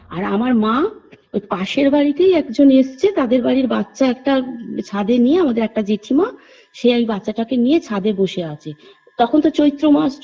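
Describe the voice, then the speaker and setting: A woman's voice: high voice, warm tone. A woman, calling in to tell a true ghost story in a rambling, earnest way and often addressing the host. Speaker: caller sharing a personal story. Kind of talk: telling a true ghost story over the phone. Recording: dull lo-fi phone call with faint music.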